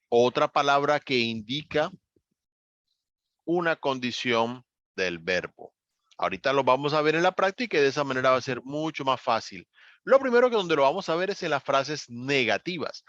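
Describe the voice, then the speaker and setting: A man teaches an English grammar class, patient and methodical, his voice rising on the words he stresses. His pitch sits in an ordinary middle range. The sound is dry and a little muffled, like a modest lo-fi recording. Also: no room sound. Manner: patient, step-by-step explaining with lively rises on key words. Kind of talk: online class explanation. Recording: dull, slightly lo-fi dry recording.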